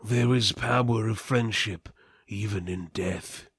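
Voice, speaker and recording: A man voicing a dying, solemn prince in a fantasy story, weak and halting in a dramatic way. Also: lowish voice, fairly even intonation, husky, dry recording. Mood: weak, pleading. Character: dying noble prince, frail, solemn, secretive companion.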